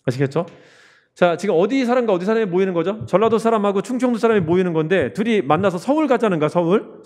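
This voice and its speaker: A man's voice: on the high side, darkish tone. A man teaching Korean history in a casual exam-prep lecture, keeps asking the class questions and answering them himself. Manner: casual, chatty with jokes to aid memory.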